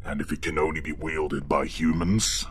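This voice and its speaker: A man voicing a menacing, hostile monster warrior with a husky growl in an audio drama. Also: extremely low pitch, little pitch movement, normal speed, a little hiss or hum. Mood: threatening.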